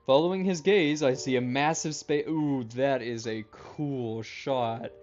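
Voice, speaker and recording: A man streaming a game, reading its text aloud and adding excitable, jokey commentary. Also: medium pitch. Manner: jokey, excitable, quick asides. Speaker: gaming streamer. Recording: muffled, game music behind.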